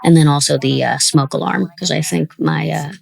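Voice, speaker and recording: A woman's voice: deep voice, steady tone, normal speed, vocal fry. A woman hosting a casual commentary on an audio drama, chatty and reflective as the show's creator.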